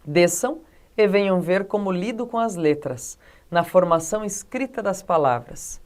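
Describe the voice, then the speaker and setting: A woman's voice: on the low side, measured pace, a little mellow, lightly acted. A woman reading as a kindly, stately lady. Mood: welcoming. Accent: Brazilian Portuguese.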